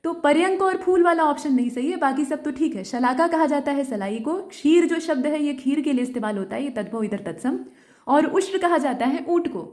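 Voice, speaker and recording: A woman teacher going through an exam answer key, explaining each question and often pausing to check that the point has landed. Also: high voice, expressive, a little mellow.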